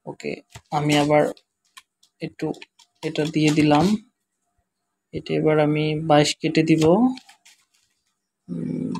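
Tired, soft-spoken man tutoring. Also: a little high, creaky, husky. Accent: Bangladeshi. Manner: quiet, slow, tired-sounding talk. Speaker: web developer teaching SEO. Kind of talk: casual screen-share tutorial.

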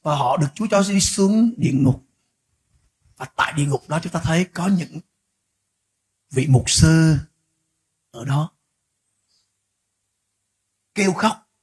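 A man preaching a sermon as pastor, swinging from quiet, slow stretches to loud, shouted peaks. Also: on the high side, expressive, breathy edge. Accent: Vietnamese.

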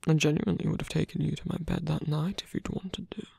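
A man playing a tender, teasing villain in an intimate ASMR roleplay, breathy and hesitant, often dropping to a whisper. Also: on the high side, fairly even intonation, no room sound, heavily acted. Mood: confessional, hesitant. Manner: hesitant, halting, soft-spoken. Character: male villain, tender, teasing, smitten with rescuer. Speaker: voice actor.

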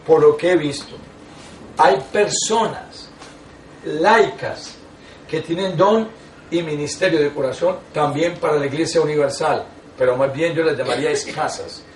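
An older man, a priest, teaching a lay audience in a small meeting room, telling stories with lively asides and restarts. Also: a little high, a little slow, distant mic, a little hiss or hum. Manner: animated storytelling with frequent asides and restarts. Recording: echoey room, taken from afar.

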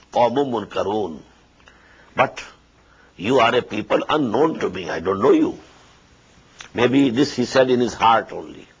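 Husky elderly South Asian man, animated scholar. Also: mid-range voice, poor audio. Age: 70s. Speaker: Islamic scholar. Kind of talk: verse-by-verse scripture commentary alternating recitation with translation. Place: indoors at a desk before curtains, recorded lecture.

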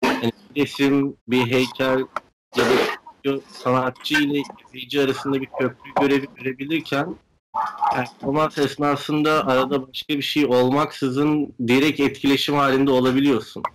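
Young guy, mid pitch voice, explaining his art on a video call interview. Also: level tone, moderate pace, slight background noise, poor audio. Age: young adult. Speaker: guest performance artist. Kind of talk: interview answers, explanatory talk. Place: indoor room at home, video call. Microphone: video call microphone.

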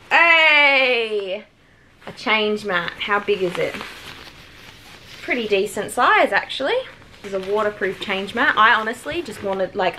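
Mum vlogger, easy and chatty, mid pitch, clear background noise at home. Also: female voice. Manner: chatty and relaxed, with many "like" fillers. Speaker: vlogger reviewing a product. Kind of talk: casual home product review. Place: family home with children nearby. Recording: clearly noisy home recording.

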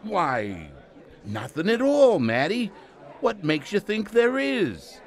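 A man's voice: high voice, very animated, slow pace, a faint crowd, full character voice. A man playing a glib, mocking two-timing small-time hood in a noir radio drama. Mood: mocking, amused.

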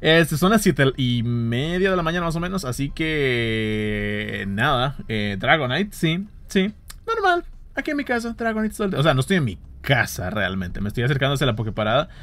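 Excitable Costa Rican man gaming outdoors. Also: medium pitch, a little fast, few pauses. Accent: Costa Rican Spanish. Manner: excitable, swearing, laughing at himself. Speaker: gaming vlogger. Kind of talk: casual commentary while playing. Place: outdoors walking near home in the early morning.

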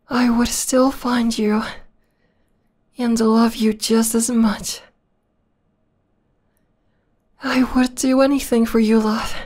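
A woman voicing an obsessive, possessive young vampire lover in an ASMR roleplay, soft, breathy and often whispering, cooing intimately with sweet menace. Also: a little high. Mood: devoted, menacing.

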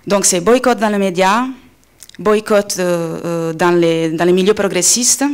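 A woman in her thirties with an Italian accent, a native Italian speaker, giving a semi-improvised conference talk with hesitant pauses and self-corrections. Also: lowish voice, steady tone, clear, resonant tone. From Italy. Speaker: coordinator of a media organisation, panel speaker. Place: indoor conference panel table. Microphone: gooseneck table microphone, close.

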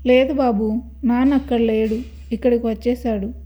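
A woman's voice: fairly high pitch, fairly even intonation, moderate pace, dark tone, close to an everyday voice. A woman voicing a female ghost who poses as a boy's mother, coaxing and menacing in a storybook. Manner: coaxing then threatening.

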